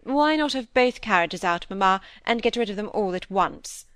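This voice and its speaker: A woman's voice: medium pitch, animated, moderate pace, a bit bright, clear, resonant tone, no room sound, natural voice. A woman voicing an impatient aristocratic lady.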